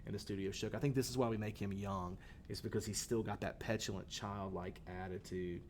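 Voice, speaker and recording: A man's voice: lowish voice, fairly even intonation, brisk, slight background noise. A male teacher giving a casual classroom lecture on a short story, talking in a conversational way with many fillers and restarts.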